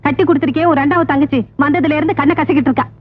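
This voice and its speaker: A woman's voice: high voice, steady tone, rapid-fire, close to an everyday voice. A woman playing a scolding village mother. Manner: scolding and fussing. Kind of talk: 1980s film acting. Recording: thin phone-like film soundtrack with music.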